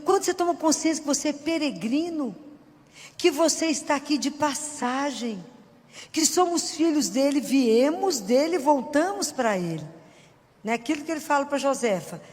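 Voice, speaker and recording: A woman's voice: high voice, a little mellow, long reverb tail. A woman preacher with a Brazilian Portuguese accent giving a Catholic sermon in an earnest, emphatic, conversational way.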